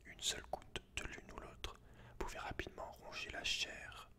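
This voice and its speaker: A man reading aloud in a breathy, unvoiced ASMR whisper, slow and hushed, with casual asides. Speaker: ASMR creator.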